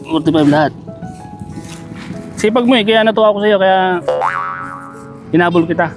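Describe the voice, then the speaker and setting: A fairly high-pitched man talks casually outdoors, kind and encouraging. He keeps checking in with quick, repeated little questions. Music plays clearly underneath the whole recording. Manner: encouraging and kindly. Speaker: vlogger handing out gifts. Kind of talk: casual on-the-street chat. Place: outdoors on a sunny street.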